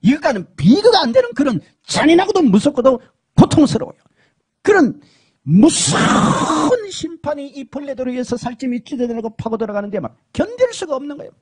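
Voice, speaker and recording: A man preaching a dramatic testimony, swinging between shouting and hushed speech. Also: extremely high pitch, very animated, brisk. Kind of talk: emotional sermon testimony.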